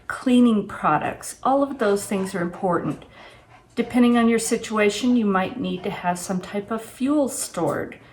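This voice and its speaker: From her kitchen at home, a sixty-something vlogger speaks casually to the camera, handing out practical, no-nonsense advice on preparedness and reviewing a product. She has a mid-range voice, and a faint hiss or hum sits in the recording.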